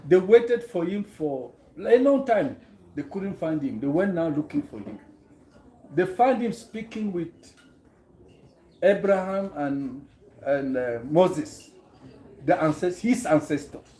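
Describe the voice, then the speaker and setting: A man speaks to a gathering as a guest. He talks earnestly and leans on rhetorical questions. His voice is slightly high yet mellow, set in an echoing room. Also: expressive, slow. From Cameroon. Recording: roomy echo.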